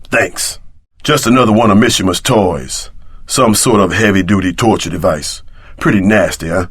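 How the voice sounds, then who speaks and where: An actor voicing a tough, brash ex-security chief with streetwise swagger and a gruff voice in a video game. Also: male voice, low voice, normal speed, dry recording. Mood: low, confiding.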